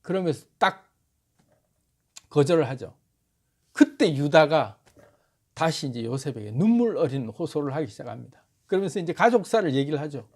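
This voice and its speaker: Animated man retelling a Bible story. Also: on the high side, moderate pace, pauses often. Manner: animated, dramatic, acts out dialogue.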